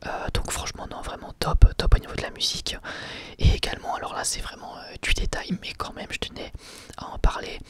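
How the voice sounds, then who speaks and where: Whispering man reviewing an anime episode. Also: a little fast. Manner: soft whisper throughout, casual with frequent hesitations; chatty, asks viewers for their opinions.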